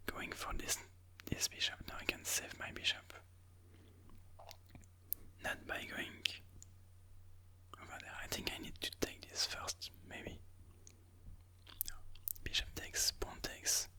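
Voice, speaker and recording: A person whispering breathily in an ASMR style, musing aloud move by move as they comment on their own chess game. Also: pushed and bright.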